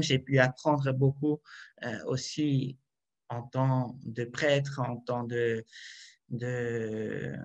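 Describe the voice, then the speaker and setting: A man's voice: medium pitch, a bit bright. A man, a Swiss priest whose first language is German, answering interview questions hesitantly with many fillers and restarts. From Switzerland. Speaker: priest, guard chaplain.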